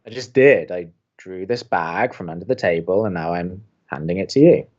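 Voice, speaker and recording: A man's voice: low voice, expressive, normal speed, a little mellow, muffled recording. A man playing a wry, sceptical young college radio co-host in an audio comedy, with a dry, teasing delivery. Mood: wry, grumbling. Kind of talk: audio drama romantic comedy dialogue.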